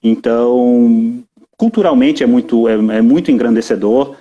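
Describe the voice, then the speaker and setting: A man's voice: medium pitch, unhurried, mellow, highs cut off. A young Brazilian man in a casual live chat, often repeating words as he talks. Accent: Brazilian Portuguese. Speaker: guest.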